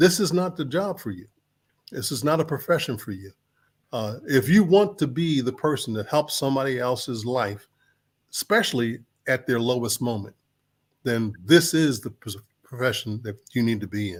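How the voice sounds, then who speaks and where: In a very clean recording with a silent background, a man with an American accent speaks at a moderate pace, somewhat breathy and with lively intonation, taking long, frequent pauses. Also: medium pitch for a man, big swings in loudness. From Philadelphia. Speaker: retired state trooper. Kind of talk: interview. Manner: halting.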